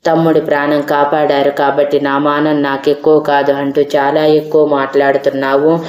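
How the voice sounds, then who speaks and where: A stern, angry young man from a spoken love story, scolding in slow, heavy words, read by a woman in her own low voice. The delivery is flat and the tone mellow. Roomy echo around it. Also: natural voice.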